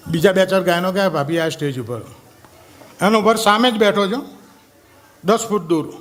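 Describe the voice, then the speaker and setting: Man, stand-up comedian, high voice, animated storytelling, acts out characters. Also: moderate pace. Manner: animated, acts out characters and sings snatches of songs.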